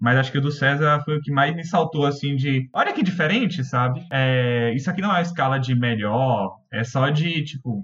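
A man speaks with a normal speaking voice. His pitch is fairly high, with ordinary variation. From Bahia, Brazil. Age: young. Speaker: writer and student. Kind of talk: casual chat.

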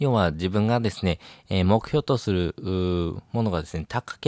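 On a very clean recording with a silent background, a man speaks at a moderate pace. His pitch is very deep and low, with ordinary variation. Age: 30s. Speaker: podcast host. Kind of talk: solo talk podcast. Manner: many filler words.

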